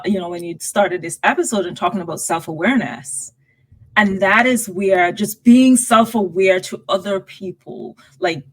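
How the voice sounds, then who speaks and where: A woman from Guyana, a podcast guest, telling personal stories in a thoughtful, steady conversational way. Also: mid-range voice. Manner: thoughtful, steady, personal anecdotes with frequent "you know" and "right?". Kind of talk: reflective conversational storytelling.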